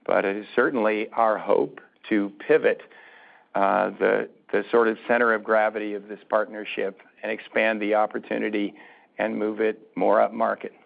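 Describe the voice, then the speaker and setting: A man answering questions as a company executive on an earnings call, speaking in a halting, deliberate way with restarted phrases. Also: fairly low pitch, level tone, creaky. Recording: muffled narrowband phone conference line.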